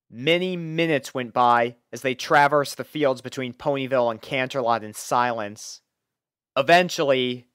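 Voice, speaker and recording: A man narrating a scripted story in a measured, mock-serious storytelling manner. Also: medium pitch, dry recording, studio quality. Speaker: fan fiction narrator.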